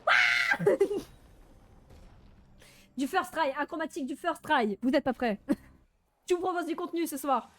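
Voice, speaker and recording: A woman giving casual, animated live commentary while playing a video game, with a playful, teasing, mock-boastful manner. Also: high-pitched, measured pace, pauses often, shouting. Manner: animated, frequent laughing and exclaiming. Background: game music.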